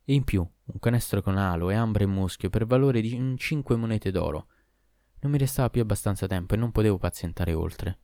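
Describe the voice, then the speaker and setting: A man narrates a storybook in a steady, measured way. His voice sits low and dark, and the recording is dry and close with no room sound. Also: no room sound. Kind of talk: storybook reading.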